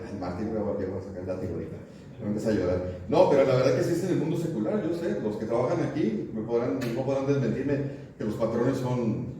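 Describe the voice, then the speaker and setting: A man's voice: mid-range voice, warm tone, a little hiss or hum. A middle-aged man preaching a sermon, folksy and anecdotal, often asking the congregation rhetorical questions. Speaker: pastor. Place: church sanctuary. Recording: echoey church room, mic at a distance, faint ambience.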